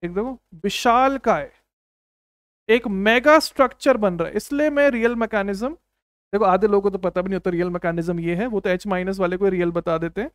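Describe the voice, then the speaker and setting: A man teaching chemistry in an energetic exam-coaching lecture, often asking the class rhetorical questions and repeating short commands. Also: high voice, fairly quick, smooth, no room sound, clean studio sound. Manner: repeats short commands like "don't write, understand".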